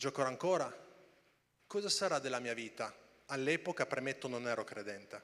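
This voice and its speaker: A man's medium-pitched voice at a moderate pace, lively in intonation, broken by long, frequent pauses. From Trieste, northeastern Italy. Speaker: former pro basketball player, church speaker. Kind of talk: testimony. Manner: casual, conversational.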